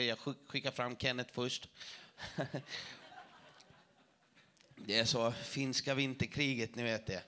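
A man preaching to a church audience, telling a testimony story in a lively way with self-mocking jokes. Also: mid-range voice.

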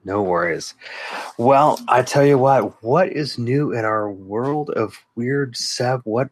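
A man hosting a casual podcast over a remote call, talking in a calm, soothing radio-style way. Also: medium pitch, slow. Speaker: podcast host.

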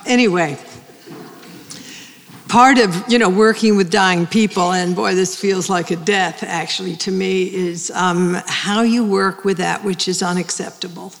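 Slow, gravelly woman in her seventies. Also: on the low side, fairly even intonation. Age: 70s. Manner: halting and searching, with many pauses and restarts. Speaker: speaker on end-of-life care at a public talk. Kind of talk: reflective talk to a live audience. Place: large hall with an audience. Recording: long hall reverb.

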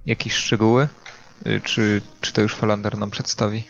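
A man playing a tabletop role-playing game, speaking casually and hesitantly as he deliberates, on a dull lo-fi microphone. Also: on the low side, little pitch movement, creaky, soft background music.

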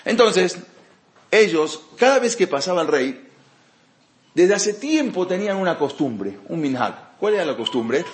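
A man's voice: high-pitched, very animated, measured pace. A man teaching Jewish history in an informal lecture, telling stories conversationally with many fillers and restarts. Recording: echoey room.

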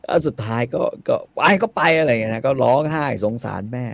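A man retelling a classic Thai tale in casual, slangy chat, animated and reciting verse now and then. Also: mid-range voice, a little fast, gravelly, dry recording. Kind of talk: casual comic retelling with acted quotes.

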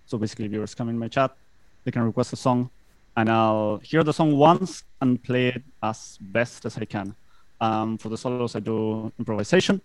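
A man talking as a podcast guest, soft-spoken and hesitant, often stumbling over his words. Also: mid-range voice, fairly even intonation, moderate pace, no echo. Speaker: guest, Twitch guitarist. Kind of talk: casual podcast interview.

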